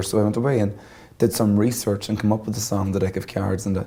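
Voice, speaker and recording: Someone with a Northern Irish accent speaks at a very fast pace in a somewhat breathy voice with a dark, mellow tone. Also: man. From Derry, Northern Ireland. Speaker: country music singer. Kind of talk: interview answer.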